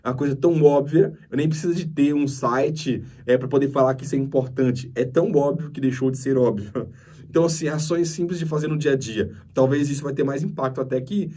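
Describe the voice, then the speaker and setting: A man's voice: medium pitch, fairly quick, dark tone, recorded from a distance. A man with a Brazilian Portuguese accent, teaching a lesson over slides and repeating his key points with emphasis. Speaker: course instructor.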